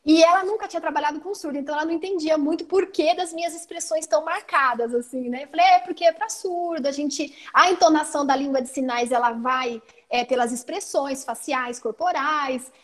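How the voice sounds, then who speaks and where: A Brazilian woman teacher giving an online training talk, explaining in a lively way and often adding "né" to check that she is followed, over a video call. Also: high voice, a little fast, hardly any pauses. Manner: lively, explanatory, frequent "né" tags.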